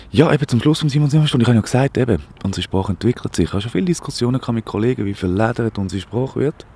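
A Swiss-German-accented man hosts a satirical radio show while walking outside, his voice low and gravelly with lively swings in pitch. He rambles in a sarcastic, mock-alarmed manner. A faint hum of street sounds sits under him. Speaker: radio host. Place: outdoors, walking.

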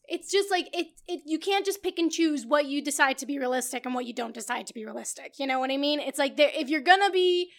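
A woman with a high, bright voice talks through a film in loose, opinionated podcast chat. She gets animated, trails off mid-thought and restarts often. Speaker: podcast co-host. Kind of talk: casual film discussion.

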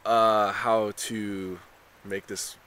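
A young man talking in a relaxed surfer way, full of "you know" and "like", in a casual interview. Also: lowish voice, very slow. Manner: laid-back surfer talk, lots of "you know" and "like". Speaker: contestant being interviewed.

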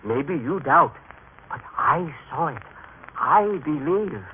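Believing villager, high voice, emphatic, solemn, tinny old radio drama. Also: male voice, expressive, slow, a little hiss or hum. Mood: earnest conviction. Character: devout townsman, believing male eyewitness. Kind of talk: vintage radio drama acting. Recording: tinny band-limited old radio recording.

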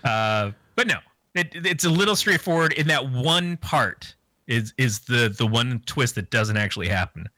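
A man's voice: mid-range voice, animated, moderate pace, pushed and bright, no echo. A man casually recapping a movie plot on a podcast, rambling and joking crudely. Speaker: podcast co-host. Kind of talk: casual movie review chat.

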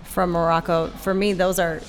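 A woman's voice: on the low side, level tone, moderate pace. A jewelry designer and shop owner in her thirties, born in Puerto Rico and raised in Florida, talking casually in an interview. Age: 30s.

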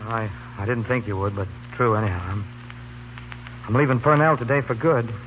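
An actor playing an earnest, easily exasperated young college student in love, speaking haltingly in a 1930s radio comedy. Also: male voice, medium pitch, lightly acted. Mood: tender, pleading. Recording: tinny, hissy 1930s radio recording.

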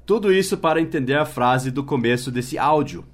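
A man hosting a casual podcast lesson, patiently explaining and spelling words out letter by letter. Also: medium pitch. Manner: slows down to model English phrases, adds tag questions. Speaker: English teacher and podcast host.

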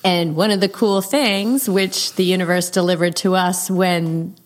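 A woman in her fifties hosting a casual podcast interview, effusive and quick to laugh. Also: fairly low pitch, steady tone. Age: 50s. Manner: warm, effusive, laughs easily. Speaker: podcast host.

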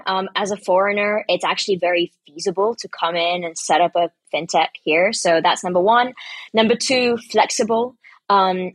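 A woman's voice: medium pitch, dry recording. A woman from Ukraine, a startup founder, answering interview questions fluently, with frequent ums and uhs. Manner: fluent, brisk, with fillers like um and uh.

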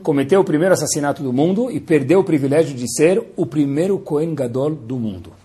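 A man's voice: a little high, lively intonation, fast talker, warm tone, breathy edge. A man, a rabbi giving a playful, dramatizing Torah lesson to students and sprinkling in Hebrew terms.

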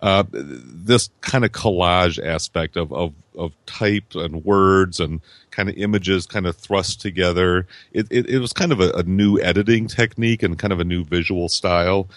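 Fifty-something guy, super low voice, rambling on about a movie, lots of restarts, dry sound. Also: normal speed, hardly any pauses, dry recording. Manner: rambling, with many restarts and repeated words. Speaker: podcast guest. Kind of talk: casual film discussion.

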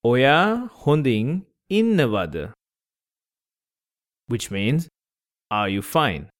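A man's voice: mid-range voice, sing-song, extremely slow. A man teaching a language lesson on a podcast, patiently repeating examples and breaking words into syllables.

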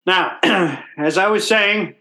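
A man playing a blustering, soft-hearted working-class everyman with excitable, colloquial speech in an old-time radio comedy. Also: high voice, takes it slowly, gravelly, exaggerated voice. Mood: earnest speechmaking.

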